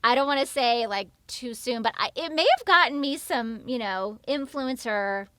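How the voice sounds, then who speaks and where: Woman playing a high-pitched, flustered young rideshare driver. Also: moderate pace, bright, forceful tone, no echo. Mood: chatty, self-important. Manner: pleading, rambling, many fillers and likes. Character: panicky, self-absorbed young woman rideshare driver, social-media obsessed. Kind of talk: audio drama acting.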